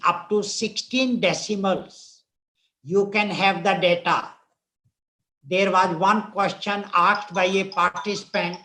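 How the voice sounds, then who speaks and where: A man with a North Indian accent teaches a class online in a fairly high voice. He is deliberate in his explanations and often repeats a phrase before moving on. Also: sharp tone, poor audio. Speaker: instructor. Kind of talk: live online statistics lecture.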